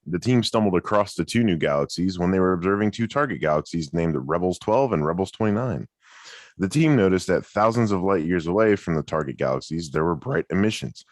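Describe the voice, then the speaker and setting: A man's voice: low-pitched, lively intonation, brisk, no room sound, clean studio sound. A man hosting a casual comedy podcast, joking and then reading science news aloud, sometimes stumbling over hard words. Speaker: podcast host. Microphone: video call.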